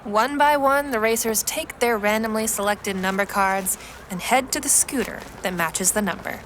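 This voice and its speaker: A woman's voice: mid-range voice, moderate pace, a bit bright, a little hiss or hum. A woman giving scripted, present-tense narration for an audio drama. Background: music.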